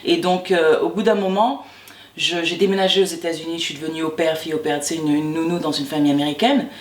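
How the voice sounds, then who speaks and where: A woman's voice: low-pitched, fast talker. Chatty woman from Martinique, echoey room. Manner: chatty, animated, many restarts and repeated words. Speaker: actress, interview guest. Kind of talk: casual interview chat. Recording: echoey room, distant mic, faint background.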